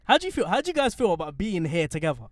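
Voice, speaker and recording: Brief: young London man, podcast host, higher-pitched, lively and playful, dry close sound in a car. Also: very fast, no echo. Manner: animated, playful, joking. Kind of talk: casual banter podcast. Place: inside a parked car.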